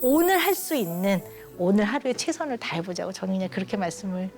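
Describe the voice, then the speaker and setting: A woman speaking as a child psychiatrist guest on a TV talk show, telling an emotional story in an earnest, warm way and acting out the people she quotes. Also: mid-range voice, sing-song, fast, faint music behind. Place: TV studio.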